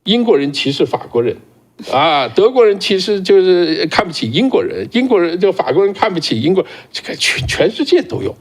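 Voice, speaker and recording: Man, political talk show co-host, raised pitch, very lively intonation, restarts his sentences. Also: brisk. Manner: animated, repeats words when starting sentences.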